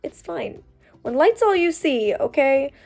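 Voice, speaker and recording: A woman's voice: sits high, sing-song, unhurried, gravelly, darkish tone, soft background music. A woman in her twenties, from Canada, chatting casually in a vlog, full of "like" and "um" fillers. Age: 20s. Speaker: vlogger. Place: at home, then a furniture store.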